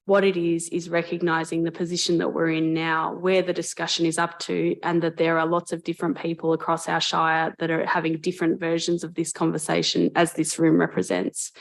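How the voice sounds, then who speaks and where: An Australian woman, a mayor, speaking earnestly and in a measured way in a council debate, with frequent ums and restarts. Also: fairly low pitch. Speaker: mayor chairing a council meeting. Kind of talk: formal council debate speech. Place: council chamber.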